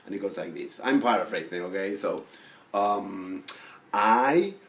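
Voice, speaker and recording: A man performing a monologue as a neurotic, self-deprecating, lovelorn forty-year-old who rambles haltingly. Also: low voice, animated, a bit bright, pitched below the performer's own voice. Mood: dry, confiding. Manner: halting, rambling, full of fillers and restarts. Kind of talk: dramatic film monologue acting. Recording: roomy echo with faint background noise.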